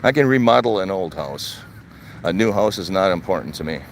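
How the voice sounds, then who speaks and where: A man's voice: low voice, lively intonation, a little fast, slight background noise. An older man from Wisconsin, chatting casually on a live stream while walking outdoors. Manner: plain, conversational, repeats his points. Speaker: vlogger. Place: outdoors, walking in a retirement community.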